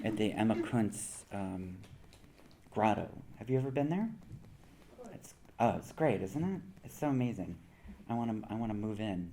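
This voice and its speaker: A man with an American accent, fairly low pitch and ordinary pitch variation, at a moderate pace with long, frequent pauses, big swings in loudness and audible room echo. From rural Pennsylvania. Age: 50s. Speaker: poet. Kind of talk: lecture. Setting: stage with audience.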